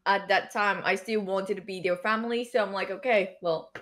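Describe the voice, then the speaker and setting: A woman's voice: medium pitch, steady tone, a little fast. A young Japanese woman with a Japanese accent in English and a Kansai lilt in Japanese, chatting hesitantly as a podcast guest with lots of fillers. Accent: Kansai Japanese in Japanese speech. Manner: soft-spoken, hesitant, with many fillers. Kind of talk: casual chat, switching between English and Japanese. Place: bedroom at home. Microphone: video call.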